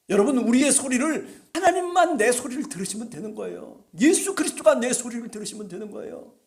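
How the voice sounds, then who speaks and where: Here a male pastor with a high voice delivers a fervent church sermon, pressing his congregation and at moments breaking into shouts.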